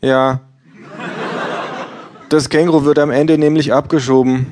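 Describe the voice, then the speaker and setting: A man voicing an indifferent female bookseller in a live comedic reading, speaking in a flat, offhand way. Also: fairly high pitch, unhurried, voice pushed up, lightly acted. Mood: deadpan.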